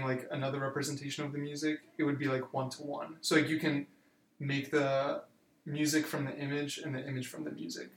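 A man in his twenties, a university student, answering interview questions in a relaxed way with many fillers. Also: mid-range voice, reverberant, slight background noise. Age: 20s. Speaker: student guest.

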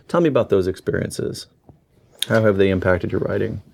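A man hosting an interview, asking measured questions with frequent hesitations. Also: on the low side, lively intonation, creaky, darkish tone, a little hiss or hum. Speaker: interviewer host.

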